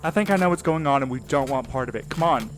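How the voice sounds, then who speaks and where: A man's voice: mid-range voice, fast talker, slight background noise, lightly acted. A man playing a wry, exasperated, wary supernatural mail courier in an audio drama, talking in a colloquial, needling way. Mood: urgent, spooked.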